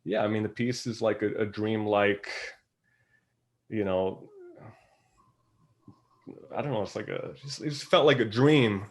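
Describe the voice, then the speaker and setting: Informal man with a lowish voice. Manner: halting, informal, thinking aloud. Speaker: actor, panel guest. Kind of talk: casual panel conversation.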